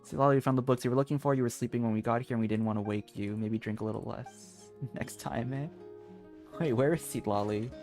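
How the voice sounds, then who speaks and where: A man streams a video game and talks to his viewers in an excitable, exclaiming way. His voice sits at a middle pitch as he comments and reads text aloud. Game music plays faintly behind him. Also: fast talker. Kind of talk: live gameplay commentary, reading dialogue aloud.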